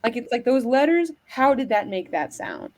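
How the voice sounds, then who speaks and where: A woman's voice: on the high side, big pitch swings, moderate pace, a little mellow. An American woman hosting a casual chat, rambling with many fillers. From United States. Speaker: podcast host.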